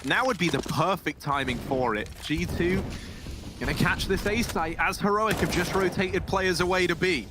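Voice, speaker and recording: Male esports play-by-play caster, slightly high register, punchy dramatic delivery, noticeable noise behind him. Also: normal speed. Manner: dramatic build-up with punchy phrases. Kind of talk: esports match commentary. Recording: clear background noise behind the voice.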